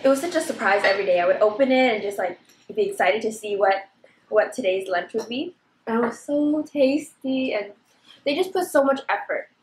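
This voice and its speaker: A young woman vlogger chats casually while eating, bubbly and talkative and saying "like" constantly. Her voice sits on the high side and moves a little fast, in an echoey room.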